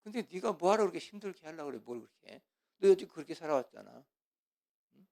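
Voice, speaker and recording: A man voicing God as a calm, indulgent fatherly figure who chides gently and familiarly, within a sermon. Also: on the high side, fast talker, creaky, voice pushed up. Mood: gently chiding.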